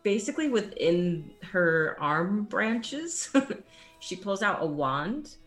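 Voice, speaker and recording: A woman's voice: mid-range voice, very animated, takes it slowly, a bit bright. A woman player in a casual tabletop game chat, rambling and laughing as she explains.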